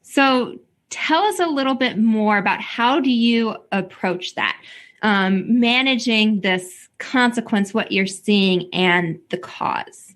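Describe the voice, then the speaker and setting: Mid-pitched woman interviewer. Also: animated, slow, fairly bright tone. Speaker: interviewer, host. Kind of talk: podcast interview questioning.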